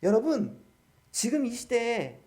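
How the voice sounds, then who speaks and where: A man's voice: very high-pitched, sing-song, a little slow, mellow. A man preaching as a pastor in church, throwing questions at the congregation and calling for amens. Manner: peppers the congregation with questions and calls of amen. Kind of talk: sermon.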